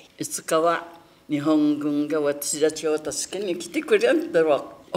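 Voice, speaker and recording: A woman speaks with very wide pitch swings. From Okinawa, Japan. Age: 80s+. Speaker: anti-base protester and war survivor. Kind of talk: protest speech and interview answer. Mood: indignant, resolute. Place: studio.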